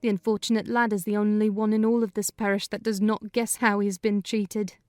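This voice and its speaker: A woman's voice: mid-range voice, flat delivery, a little fast, darkish tone, no echo, clean studio sound, faint music behind, lightly acted. A woman reading a kindly, talkative older housekeeper in a dramatized audiobook. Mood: chatty. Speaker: narrator voicing housekeeper.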